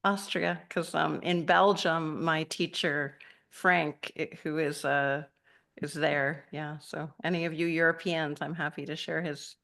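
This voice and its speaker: Low, gravelly woman meditation teacher. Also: steady tone, unhurried. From Argentina. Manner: gentle, rambling, laughs often. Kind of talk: casual live-session chat with participants.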